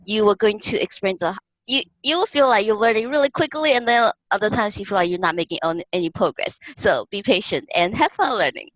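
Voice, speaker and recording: A woman's voice: mid-range voice, expressive, a bit bright, dry recording, poor audio. A woman who teaches languages online, speaking in an upbeat, enthusiastic way in a casual interview. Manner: upbeat, enthusiastic, quick to react. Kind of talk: casual video-call interview.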